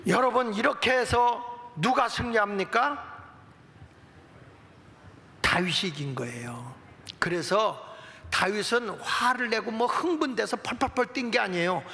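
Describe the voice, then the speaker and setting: A middle-aged male pastor preaching a sermon, telling Bible stories in an animated way and acting out prayers and taunts. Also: sits high, a little slow, vocal fry, long pauses, in a large hall, a little hiss or hum.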